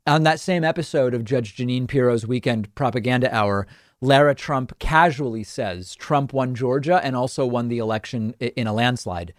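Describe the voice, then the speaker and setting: A man's voice: medium pitch, normal speed, no echo, studio quality. A man hosting a political talk show, giving scornful, argumentative commentary.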